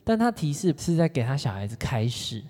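An excitable speaker tells customer stories in a casual podcast chat. The voice often jumps up in pitch as the tales build. A long, hall-like reverb trails after each phrase. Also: brisk. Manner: animated, excitable storyteller. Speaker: podcast co-host, former education sales consultant.

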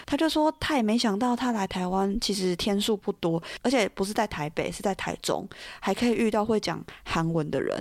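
A young woman from Taiwan with a Taiwanese Mandarin accent, hosting a podcast and telling stories in a chatty, animated way with frequent laughter. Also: mid-range voice, brisk, few pauses, no echo. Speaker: podcast host. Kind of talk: casual storytelling podcast.

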